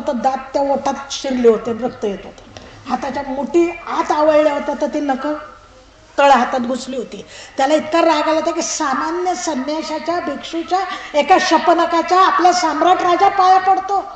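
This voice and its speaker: A woman giving a religious discourse to a live audience, telling a parable in a lively way and acting out its characters. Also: high-pitched. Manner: lively storytelling that acts out characters and street calls. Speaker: pravachan speaker. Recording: echoey hall with audience noise.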